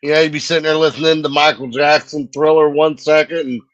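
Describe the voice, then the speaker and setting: A man's voice: a little high, level tone, fast talker, fairly bright tone, no room sound, muffled recording. A man chatting casually as co-host of a talk show. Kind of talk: casual chat.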